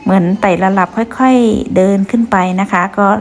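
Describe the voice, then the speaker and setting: A woman's voice: medium pitch, fairly even intonation, moderate pace. A woman from Kengtung hosting a vlog, chatting to viewers as she walks them around a hilltop pagoda outdoors. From Kengtung, Shan State, Myanmar. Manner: chatty, addresses viewers, many soft polite particles. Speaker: vlog host. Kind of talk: walking tour narration.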